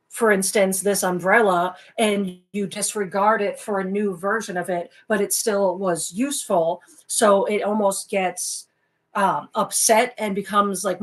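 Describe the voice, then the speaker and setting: Calm woman explaining things at length. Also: mid-range voice. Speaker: livestream co-host. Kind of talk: casual livestream chat.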